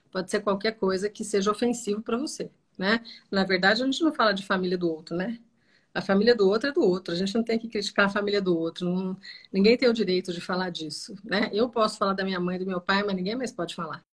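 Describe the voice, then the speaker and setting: A woman's voice: medium pitch, quick pace. A Brazilian woman therapist giving a didactic, conversational talk to camera about marriage, acting out sample dialogues as she explains. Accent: Brazilian Portuguese.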